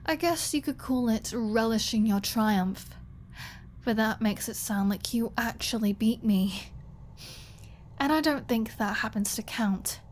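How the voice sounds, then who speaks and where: A woman's voice: fairly high pitch, a little slow, slight background noise, close to an everyday voice. A woman playing a flirty, defiant captive vampire in an ASMR audio roleplay, teasing and mocking with a sarcastic drawl.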